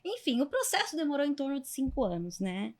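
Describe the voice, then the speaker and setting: A woman lawyer who tells a case story in measured, hesitant phrases and keeps checking in with "né?". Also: sits high, sing-song. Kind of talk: conversational storytelling.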